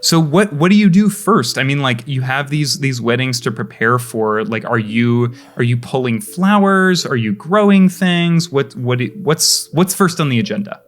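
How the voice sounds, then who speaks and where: A man's voice: medium pitch, animated, moderate pace, hardly any pauses. A young man narrating as game master, casual, with restarts and lots of questions to the players. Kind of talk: narrating a tabletop role-play game.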